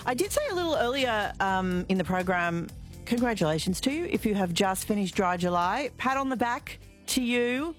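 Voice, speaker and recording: A middle-aged woman with an Australian accent hosting live radio, chatty and relaxed, with frequent fillers. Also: medium pitch, normal speed, faint music behind. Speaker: radio host. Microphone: studio microphone.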